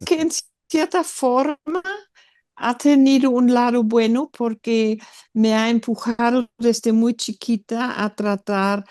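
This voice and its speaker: A woman's voice: on the high side, fairly even intonation, slow, darkish tone, no echo. Older German-born woman, dry close sound. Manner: thoughtful, hesitant, many fillers. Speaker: author being interviewed. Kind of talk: reflective interview conversation.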